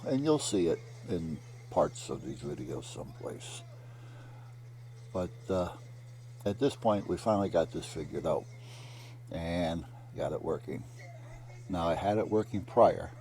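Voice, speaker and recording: Deep, mellow-voiced man explaining a repair. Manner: rambling, step-by-step explaining. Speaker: hobbyist narrating a repair project. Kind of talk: casual voice-over explaining a DIY wiring repair.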